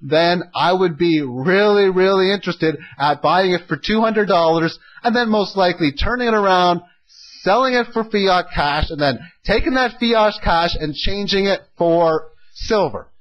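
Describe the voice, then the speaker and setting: A man hosts an informal audio commentary. He speaks emphatically and with clear opinions. He often sets up rhetorical questions and then answers them himself. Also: high-pitched, normal speed, dull audio. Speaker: host of an economic audio log.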